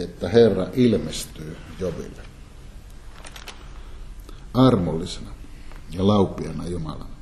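A man with a very low, dark voice gives a Bible lecture. He reads the scripture passages in a calm, measured way and then explains them.

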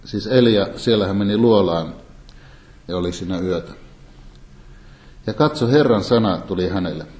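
A man giving a Bible lecture, reading scripture passages aloud in a calm, measured way and explaining them. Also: sits low.

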